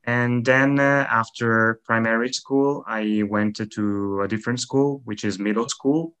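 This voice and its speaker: Bright, clear-voiced young Italian man. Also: mid-range voice, steady tone, a little slow. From Italy. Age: 20s. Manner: hesitant, many fillers, friendly. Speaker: guest, language teacher and YouTuber. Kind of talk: casual interview answers.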